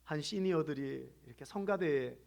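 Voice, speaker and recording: A middle-aged male pastor preaching a sermon in a church, telling a story that swings between loud emphasis and hushed quiet. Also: fairly high pitch, normal speed, gravelly. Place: church sanctuary.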